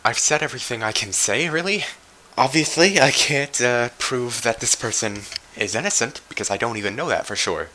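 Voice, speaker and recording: A man with a raspy voice giving rambling, unscripted commentary, swearing freely and trailing off with fillers. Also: mid-range voice, expressive, normal speed, sharp tone. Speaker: commentary YouTuber.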